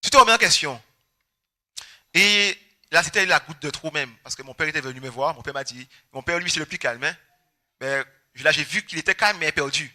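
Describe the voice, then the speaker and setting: Bright-voiced young preacher telling his story. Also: a little high, brisk. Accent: Guadeloupean French. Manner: animated storytelling, acting out family members. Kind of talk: testimony sermon.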